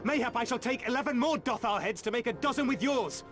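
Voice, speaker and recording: A battle-hungry tribal warrior in a fantasy game. His voice sits very high for a man, and he brags in archaic phrases. Faint music plays behind him. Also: expressive, fast talker. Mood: eager bravado. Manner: loud, archaic, boastful.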